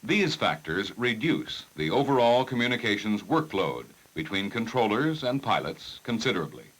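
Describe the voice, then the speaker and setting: For a 1960s technical training film, a male narrator speaks with a breathy edge, his pitch lowish and his inflection lively. The delivery stays formal and measured, every word carefully enunciated.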